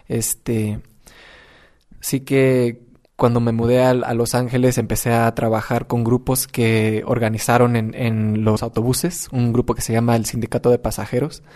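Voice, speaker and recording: A man's voice: mid-range voice, mellow. A young man, a community organizer, telling his story with many restarts and fillers. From United States. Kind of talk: personal storytelling.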